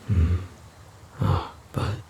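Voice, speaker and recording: Audio roleplay forest demon male actor: slow, dark, breathy half-whisper, gentle and literal-minded, formal and hesitant. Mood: concerned, hesitant.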